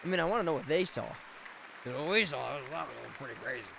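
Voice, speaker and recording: Animated man reacting to a game. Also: a little high, fast talker, gravelly, crowd noise, background noise. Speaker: streamer, voice actor. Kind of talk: casual game reaction commentary. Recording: game music playing behind.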